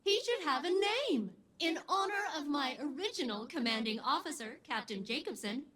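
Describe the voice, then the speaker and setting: Failsafe, a chipper ship AI. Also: female voice, high-pitched, moderate pace. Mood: cheerful deadpan. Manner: prim, precise phrasing with deadpan asides. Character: chipper, literal-minded female ship AI. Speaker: game character. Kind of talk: video game voice acting.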